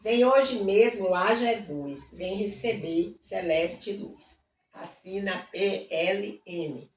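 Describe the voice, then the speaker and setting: A woman's voice: mid-range voice, takes it slowly. A woman leads a devotional reading, reciting hymn lyrics with fervent asides and then praying. Her voice sits in a middle range. It carries the echo of a room and sounds set back from the microphone. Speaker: Bible reading host. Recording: roomy, distant mic with faint ambience.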